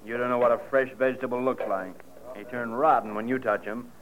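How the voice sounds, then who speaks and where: A man's voice: mid-range voice, fairly even intonation, a little fast, a bit bright, natural voice. An actor playing a blunt, sarcastic diner owner who turns fatherly, in an old radio drama. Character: gruff protective diner owner, middle-aged. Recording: dull old radio recording with faint hiss.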